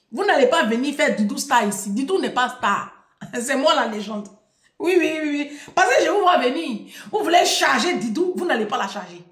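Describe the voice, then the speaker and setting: Animated woman vlogger. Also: high-pitched. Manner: mocking, emphatic, laughs often, swings loud and soft. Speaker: social media vlogger. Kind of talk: animated monologue to followers. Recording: echoey room.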